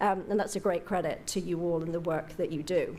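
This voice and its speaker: With an American accent, a woman speaks at a fairly quick pace. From Britain. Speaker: parent speaking at public comment. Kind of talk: public comment at school board meeting.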